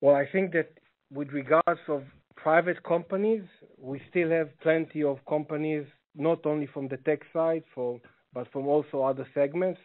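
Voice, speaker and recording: A man answers questions on an earnings call as a company chief executive. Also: fairly high pitch. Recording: thin, phone-like conference line.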